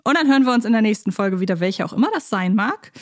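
A woman's voice: medium pitch, animated, fast talker. A woman hosting a podcast in a casual, conversational chat style. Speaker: podcast host.

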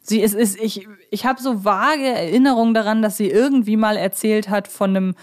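Woman, medium pitch, podcast co-host, conversational, tentative, seeks confirmation. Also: steady tone, brisk, a little mellow. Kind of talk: casual conversational discussion.

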